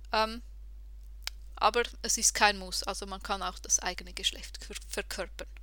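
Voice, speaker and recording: A woman speaks at a moderate pace. Her pauses are long and frequent. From Switzerland. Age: 30s. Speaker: podcast host. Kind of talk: casual chat.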